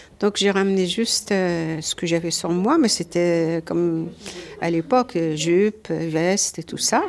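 There is noticeable background noise as a woman speaks at medium pitch. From Algeria. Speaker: interviewee. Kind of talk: testimony.

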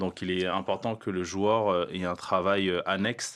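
This man has a very deep, low voice. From DR Congo, Matadi. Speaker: football coach. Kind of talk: studio panel discussion. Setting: studio. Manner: hesitant, many fillers.

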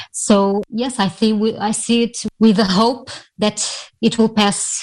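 A woman with a Portuguese accent, fairly high in pitch, very slow, with fairly even intonation. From Portugal. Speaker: fado singer. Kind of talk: interview. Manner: halting.

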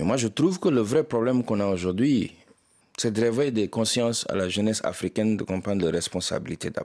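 With lively intonation and a fairly quick pace, a man speaks at a medium pitch in a normal speaking voice. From Senegal. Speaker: social entrepreneur. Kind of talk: radio interview.

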